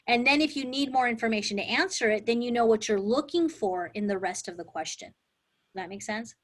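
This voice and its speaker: A middle-aged woman with a slightly high, brisk voice teaches a live insurance exam prep class. She keeps it casual and chatty, telling stories and often saying "like" and asking "right?"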